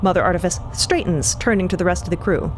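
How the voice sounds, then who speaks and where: A woman's voice: lowish voice, fast, a little hiss or hum. A woman delivering dramatic scripted narration for a fiction podcast.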